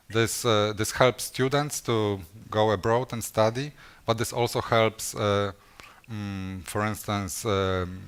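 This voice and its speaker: A man with a lowish, smooth, slightly bright voice fields audience questions in a conference session room. His answers are hesitant, full of fillers and restarts.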